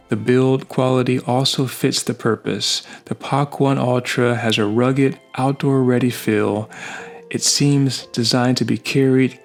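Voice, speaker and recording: A man delivers scripted review narration at a medium pitch. His phrasing is short and measured. Music plays behind the voice. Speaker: product reviewer.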